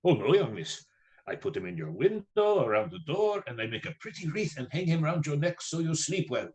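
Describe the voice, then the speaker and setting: Older Germanic professor, slightly high voice, grave, commanding, fatherly, theatrical radio drama. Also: very animated, brisk, darkish tone. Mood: fatherly, measured. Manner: stilted foreign phrasing, commanding yet fatherly.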